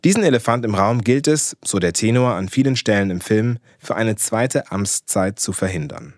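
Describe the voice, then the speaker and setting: A man's voice: on the low side, expressive, normal speed, no echo. Man reading a dry film review. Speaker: podcast co-host reviewing a film.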